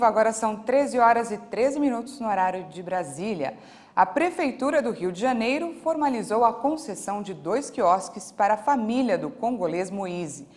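A woman in her thirties anchoring a live newscast, with a crisp, measured delivery on a lapel mic. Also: medium pitch. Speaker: news anchor. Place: outdoor studio set with trees.

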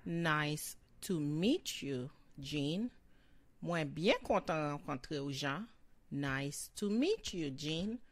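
A woman voicing a young woman named Marie greeting a new friend, speaking slowly and clearly. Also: low voice, expressive, no echo, exaggerated voice. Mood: friendly.

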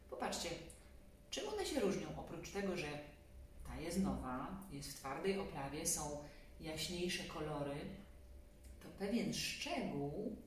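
A woman in her forties reading a children's story expressively, with casual asides to her young listeners. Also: lowish voice. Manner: expressive, addresses children directly. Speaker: storybook reader. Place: small indoor room, seated on a sofa. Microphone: camera a few metres away. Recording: very echoey room, distant mic, faint noise.

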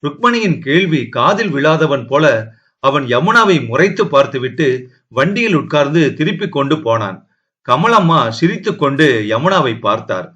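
A man narrating a novel as an audiobook in a measured, steady storytelling manner. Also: on the high side, muffled recording.

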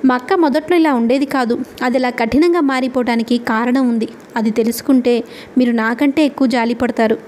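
A woman's voice: on the high side, fairly even intonation, brisk, a little mellow, a little hiss or hum, close to an everyday voice. A woman reading the lines of an earnest, anxious young man confiding in a friend, in her own voice. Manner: plain read-aloud dialogue.

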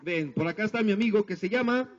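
A man's voice: high-pitched, fast. A man hosting a children's party as a silly, playful clown, drawing out calls for applause into a microphone outdoors. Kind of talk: live children's party entertainment, running a contest on microphone. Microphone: handheld microphone over PA, filmed by distant camera. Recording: dull lo-fi camera audio of amplified voice.

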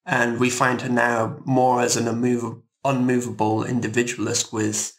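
A man explaining ideas as an interview guest, in a thoughtful, measured and hesitant way. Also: medium pitch, flat delivery, poor audio. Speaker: composer, roundtable guest.

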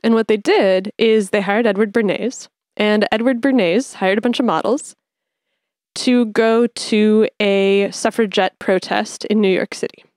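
A woman's voice: mid-range voice, fairly even intonation, measured pace, darkish tone, dry recording, studio quality. A woman interviewer asking curious questions and explaining history in a casual conversation.

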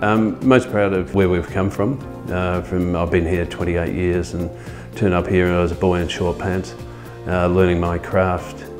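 A middle-aged man talking in a filmed interview as a winemaker, halting with many fillers, recorded in a tasting room. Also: deep voice, flat delivery. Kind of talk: documentary interview. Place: indoor winery tasting room. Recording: music bed underneath.

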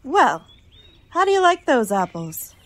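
A woman's voice: high-pitched, big pitch swings, unhurried, fairly bright tone, full character voice. A woman playing a sarcastic, complaining young college student in a radio play. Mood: sarcastic, grumbling. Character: grumbling, wisecracking young female college student.

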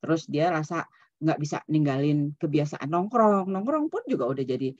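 A woman's voice: sits low, expressive, moderate pace, darkish tone, no room sound, lo-fi sound. A woman psychologist giving an online seminar lecture in a loose, conversational way, dropping English terms into her talk and tagging sentences with "gitu ya". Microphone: video call.

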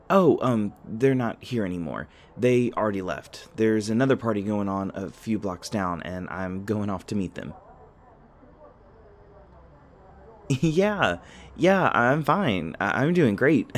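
A man's voice: on the low side, slight background noise. A man playing an anxious, nerdy young college student in an audio roleplay, rambling and stammering self-consciously. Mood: awkward, covering up. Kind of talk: naturalistic audio roleplay acting.

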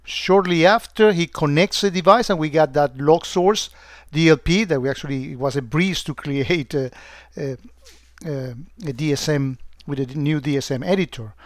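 Man, software demo narration, somewhat high voice, dry close sound, halting, filler-heavy. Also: no echo. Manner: hesitant, many fillers and restarts. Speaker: security software presenter. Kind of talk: screen-recorded software demo.

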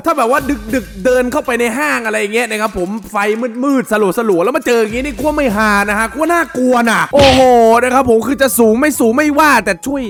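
A male reaction host with a high voice that leaps all over the place. He talks loudly and crudely, often breaking into shouts. Music plays clearly behind him. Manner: loud, crude slang, frequent shouting and laughing. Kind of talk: excitable reaction commentary.

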